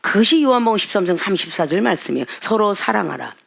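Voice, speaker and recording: A woman pastor preaching a sermon with fervor, moving from quiet asides to crying shouts and firing off scolding rhetorical questions. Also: mid-range voice, lively intonation, quick pace, creaky.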